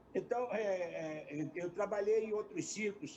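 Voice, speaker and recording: A man with a high pitch speaks at a fairly slow pace, his pitch swinging very widely. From Alagoas, Brazil. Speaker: circus artist and teacher. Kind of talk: interview.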